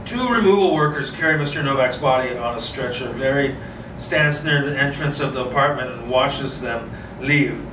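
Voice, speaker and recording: A man with a mid-range voice reads a screenplay aloud on his own and hosts casually at a moderate pace, rambling and often repeating himself. The recording is roomy and distant-miked, with clear noise.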